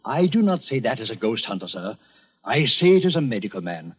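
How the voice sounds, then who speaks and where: Halting, husky English doctor. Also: male voice, mid-range voice, big pitch swings. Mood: grave warning. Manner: formal, halting, hesitant. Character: fussy, grave, formal English doctor, a hesitant neighbor. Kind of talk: old-time radio drama acting. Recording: dull, muffled old radio recording.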